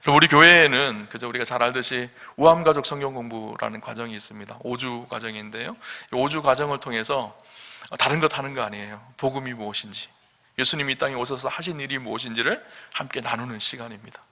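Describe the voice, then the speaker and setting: Bright-voiced male pastor preaching. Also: mid-range voice, fast talker. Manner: emphatic, asks the congregation questions. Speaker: senior pastor. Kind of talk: sermon. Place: church sanctuary. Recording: long church hall reverb.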